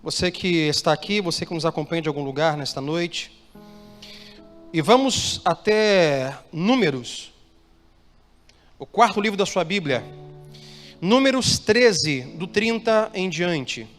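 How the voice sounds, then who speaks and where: High-voiced Brazilian preacher in a church hall. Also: male voice, animated, a little slow, pauses often. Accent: Brazilian Portuguese. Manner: preaching with call-and-response prompts to the congregation. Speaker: pastor. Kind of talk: sermon. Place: church hall with live congregation. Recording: reverberant church hall, soft music.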